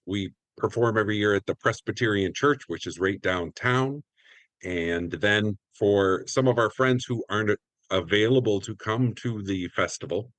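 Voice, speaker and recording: A man with a low voice and a dry, close sound speaks as a guest on an interview show. He is a community theater actor and announcer who explains things in a conversational way. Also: dry recording. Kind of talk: conversational guest interview and warm sign-off narration.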